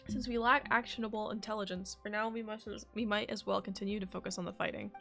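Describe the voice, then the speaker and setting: A woman's voice: medium pitch, fast talker, creaky, fairly bright tone. A woman live streamer giving casual commentary on a game and reading its dialogue aloud. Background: game music.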